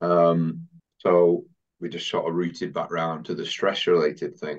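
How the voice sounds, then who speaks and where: A man with a British accent. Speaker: business owner in mentoring group. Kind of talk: group mentoring conversation. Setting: video call.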